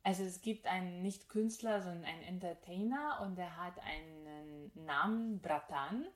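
A woman from Ukraine in her thirties, speaking German on a casual podcast. She reflects slowly and searches for words, in a slightly low voice. The recording has a noticeably echoey room sound. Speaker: podcast co-host.

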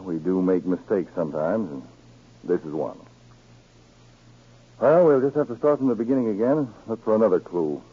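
An actor playing a stern, commanding government counterspy chief in a 1940s radio drama, with clipped, deliberate speech. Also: male voice, sits low, expressive, breathy edge. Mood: formal, measured. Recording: scratchy, narrow-band 1940s radio recording.

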